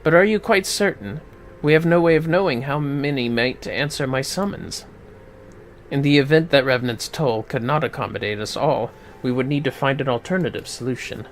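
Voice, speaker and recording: A man's voice: mid-range voice, moderate pace, a little hiss or hum, natural voice. A man voicing a courtly, gracious fantasy noble from a video game, in theatrical, formal, archaic phrasing. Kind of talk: amateur voice acting of game dialogue.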